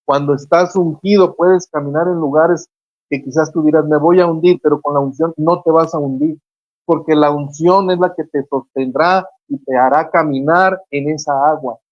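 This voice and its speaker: A preacher, preaching fervently on a Christian radio show and retelling scripture stories with acted quotes. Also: female voice, low voice, fairly even intonation, moderate pace, a little mellow, dry recording, dull audio. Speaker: guest preacher on a radio program.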